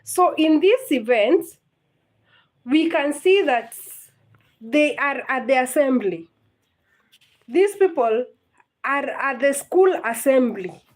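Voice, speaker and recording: A woman's voice: sits high, animated, takes it slowly, pauses often. A woman, teaching literature in a live-streamed lesson, patient and repetitive, often checking whether her students understand. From Kenya.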